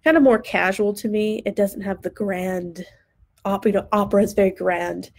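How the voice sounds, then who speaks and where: A woman's voice: mid-range voice, steady tone, moderate pace, a little mellow. A woman in her thirties talks through student poster designs on a live stream, upbeat and chatty as she thinks aloud. Her voice sounds worn and starts to crack after long use. She speaks into a desk mic in a home studio.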